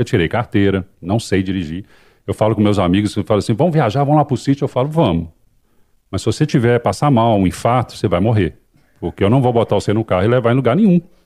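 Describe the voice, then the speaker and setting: A man's very fast speech, with lively intonation and a dark, mellow tone. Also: medium pitch for a man, very even loudness, quiet background. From Brazil, countryside (interior). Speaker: heavy metal guitarist. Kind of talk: casual chat.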